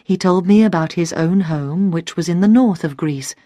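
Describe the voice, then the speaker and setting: A woman reading a story aloud for English learners, clear and deliberate. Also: lowish voice, mellow, dry recording. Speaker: narrator.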